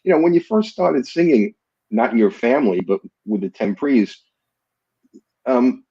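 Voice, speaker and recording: A man hosting an interview, asking questions in halting, restarting phrases. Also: mid-range voice, big pitch swings, warm tone, husky, dry recording, muffled recording. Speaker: interviewer host.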